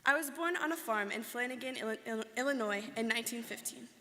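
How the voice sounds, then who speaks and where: A woman's voice: a little high, fast, sharp tone. A young woman, a student actor, giving an earnest, rehearsed account of a life in the first person. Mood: earnest recollection. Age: young adult. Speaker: student performer in a dramatic reading. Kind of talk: rehearsed staged monologue. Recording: live reading in reverberant hall.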